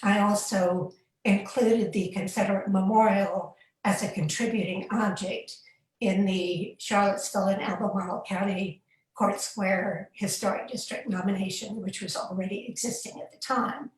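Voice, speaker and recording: A woman with a mid-range voice explains her research plainly, with frequent pauses. She sounds distant from the mic, in a very echoey room. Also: mid-range voice, fairly even intonation. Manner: explanatory, with fillers. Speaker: panelist, historic preservation researcher. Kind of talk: panel discussion.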